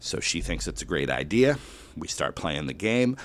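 A man with a notably deep, low voice tells a personal story to an audience. He is a schoolteacher, and his telling is animated, with sudden loud bursts and slow dramatic drops. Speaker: elementary school teacher.

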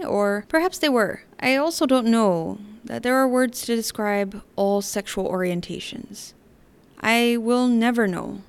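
A woman in her thirties from the Northern Mariana Islands with a light Chamorro accent, hosting a podcast and reading personal narration in a measured, articulate, reflective way. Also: medium pitch. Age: 30s. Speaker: podcast host.

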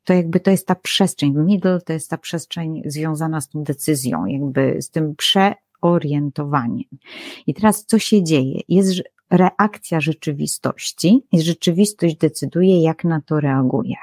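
A woman with a fairly low voice explains scripture in an animated, chatty way, with hesitant fillers and quoted lines she acts out. The sound is dry and close, with no room echo. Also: a little slow. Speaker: biblical scholar guest. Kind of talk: explanatory conversational talk.

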